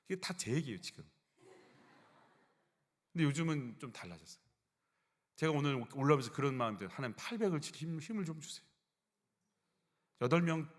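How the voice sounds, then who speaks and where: A man preaching a sermon as pastor, moving between soft confiding lines and loud emphatic bursts. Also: mid-range voice, long reverb tail. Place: church sanctuary.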